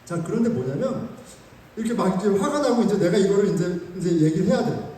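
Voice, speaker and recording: A man preaching a sermon as pastor, telling a story in an animated, self-mocking way, recorded in a church sanctuary with the mic some distance away. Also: high-pitched, quick pace, a little hiss or hum. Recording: echoey hall, mic far off.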